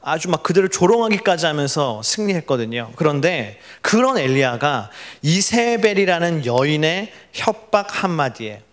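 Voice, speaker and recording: Young male pastor, sermon, animated storytelling, call-and-response, somewhat high-pitched. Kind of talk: sermon to college students.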